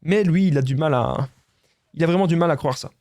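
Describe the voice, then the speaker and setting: Talking a little high and fairly quick, with a slightly mellow voice, a Belgian French-accented man advises his viewers on relationships straight to camera. He is insistent and repetitive, frequently calling them his friends, and there is no room sound.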